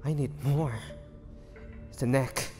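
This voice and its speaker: A man voicing a starving, tormented vampire in a dramatic audio roleplay, speaking haltingly with breathy sighs. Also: medium pitch, steady tone, warm tone, faint music behind, natural voice. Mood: ravenous, menacing. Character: starving young male vampire, tormented, pleading, fighting bloodthirst. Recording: long echoing reverb, faint background noise.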